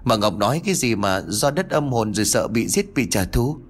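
A man voicing a sensible young woman who reasons calmly. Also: medium pitch, normal speed. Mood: reasoning. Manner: calm, reasoning.

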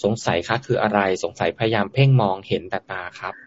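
Low-voiced man reading questions. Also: a little fast, lo-fi sound. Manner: reads each question plainly after naming the sender. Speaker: moderator reading listener questions.

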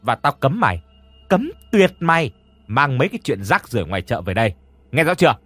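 A man voicing a harsh, domineering rich old matron who scolds her servants in shrill shouts, in an audiobook reading. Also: sing-song, a little fast, husky, no echo, soft background music. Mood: furious scolding. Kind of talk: audiobook narration.

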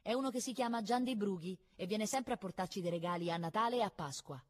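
A woman's voice: mid-range voice, quick pace, big-room sound, pitched above the performer's own voice, lightly acted. A woman reading aloud and voicing a haughty, teasing little girl with a mocking, imperious manner. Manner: mocking, sing-song, imperious.

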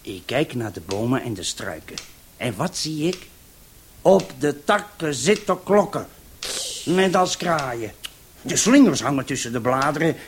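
An actor playing a naive young petty thief who rambles earnestly through a fanciful story in a Dutch radio play. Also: male voice, medium pitch, sing-song, unhurried. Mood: wondering. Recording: hissy old radio play recording with clicks.

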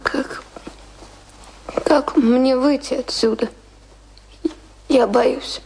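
A woman acting in a Russian radio play as a remorseful, lovestruck woman, imploring with drawn-out emotion. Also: sits high, steady tone, gravelly, a little mellow, breathy edge, exaggerated voice, poor audio. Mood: desperate, fearful. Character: pleading, remorseful woman desperately in love.

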